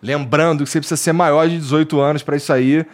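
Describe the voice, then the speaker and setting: A man's voice: on the high side, steady tone, fast talker. A Brazilian man hosting a casual podcast, chatty and upbeat as he reads sponsor plugs. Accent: Brazilian Portuguese. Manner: chatty, upbeat, filler-heavy. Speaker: podcast host.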